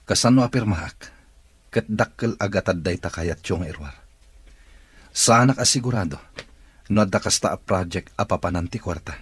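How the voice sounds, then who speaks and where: Husky low-voiced demanding boss. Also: male voice, moderate pace, pauses often, no echo. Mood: suspicious. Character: well-off demanding male employer seeking a caregiver. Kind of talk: radio drama acting.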